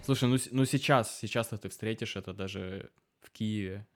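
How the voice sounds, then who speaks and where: A man hosting a conversational interview, curious, who asks long questions with drawn-out hesitation sounds. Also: lowish voice. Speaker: host.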